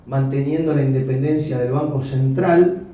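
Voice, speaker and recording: A man's voice: medium pitch, steady tone, dark tone. Argentine man lecturing in echoey hall. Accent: Argentine Spanish. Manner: measured, explanatory, with asides and self-corrections. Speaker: economist giving a talk. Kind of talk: lecture with slides. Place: hotel function room. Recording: echoey room, mic far off.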